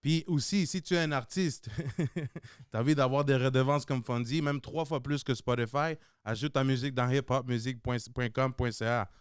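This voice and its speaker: Joking Québécois podcast host. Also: male voice, medium pitch, fairly even intonation, normal speed, clear, resonant tone, dry recording, studio quality. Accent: Québécois French. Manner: loose, joking, repeats himself, slangy. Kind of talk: casual podcast chat.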